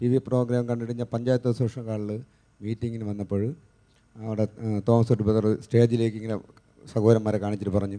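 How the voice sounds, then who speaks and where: A man speaks with a dark, mellow tone. His delivery is monotone, with flat intonation. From Thiruvananthapuram, Kerala; Kerala. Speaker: former criminal giving testimony. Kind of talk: testimony. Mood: earnest, emotional. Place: stage. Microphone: handheld.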